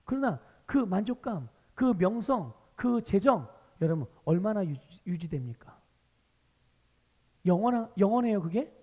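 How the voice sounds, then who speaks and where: High-voiced man preaching in a reverberant church. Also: measured pace. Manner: animated preaching, rhetorical questions to the congregation. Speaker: pastor. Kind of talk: sermon. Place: church sanctuary.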